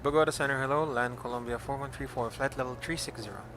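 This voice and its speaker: Relaxed man streaming flight sim. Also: mid-range voice, fast, noisy background. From Philippines. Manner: switches between Filipino and English, relaxed chatty, reads radio calls. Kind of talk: casual stream chat and radio calls.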